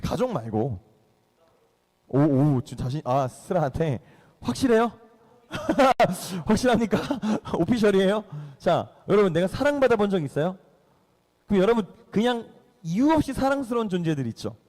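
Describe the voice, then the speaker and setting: A man's voice: high voice, very animated, brisk, darkish tone, big-room sound. Playful man teaching a kids' Bible lesson. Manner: playful, quizzing the kids. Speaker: youth pastor teaching children. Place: church hall.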